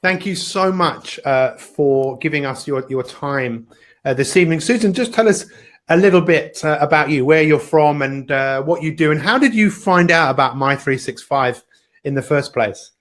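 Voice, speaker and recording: A man's voice: on the high side, lively intonation, normal speed, fairly bright tone. A man hosting a live motivational broadcast as a life coach, upbeat and chatty with frequent filler words.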